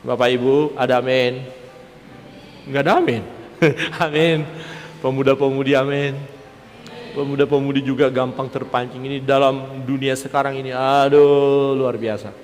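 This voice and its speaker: A man preaching a sermon as pastor, animated, questioning and teasing his congregation. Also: medium pitch, slight background noise. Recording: long church-hall reverb.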